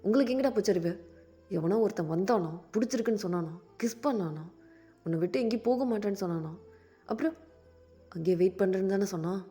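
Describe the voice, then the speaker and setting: A woman voicing a blunt young man who harshly scolds his lovesick friend in rapid outbursts. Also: lowish voice, warm tone, soft background music, voice pushed down, natural voice. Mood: angry.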